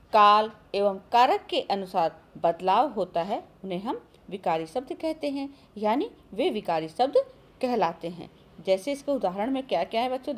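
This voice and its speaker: Lively woman teacher quizzing children. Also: medium pitch. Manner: addresses children often, asks and answers her own questions. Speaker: school Hindi teacher. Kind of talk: recorded online grammar lesson.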